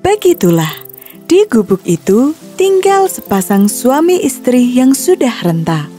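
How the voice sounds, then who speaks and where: Children's story narrator: woman, warm and mellow, very lively intonation. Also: on the high side, a little slow, soft background music. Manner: expressive, storybook-like. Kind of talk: scripted narration of a children's fairy tale.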